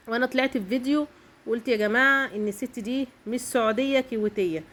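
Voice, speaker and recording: An Egyptian woman vlogger with a cold, talking straight to her viewers in an emphatic casual monologue and often pausing to check in with them. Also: fairly high pitch, fairly bright tone. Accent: Egyptian Arabic. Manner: emphatic, keeps checking in with "okay?". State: has a cold, coughing. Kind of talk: casual direct-to-camera monologue.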